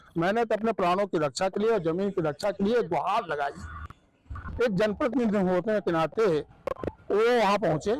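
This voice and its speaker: Heard dry and close with no echo, a man at high pitch talks with very even loudness and ordinary pitch variation. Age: 70s. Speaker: local politician in a land dispute. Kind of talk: news interview.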